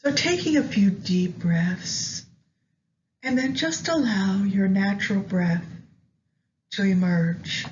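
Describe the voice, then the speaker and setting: Slow-paced woman guiding a meditation. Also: medium pitch. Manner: gentle, soothing, unhurried with long pauses. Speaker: meditation guide. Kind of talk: guided meditation narration. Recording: dull lo-fi audio with background noise.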